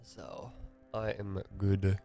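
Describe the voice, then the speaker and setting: A man's voice: sits low, completely flat delivery, extremely slow, warm tone, soft background music. Stuffy young man chatting on stream. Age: young adult. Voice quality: tired morning voice. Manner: rambling, filler-heavy, restarts often. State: slightly stuffy, nasal from a cold. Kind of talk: casual solo chat to a live stream.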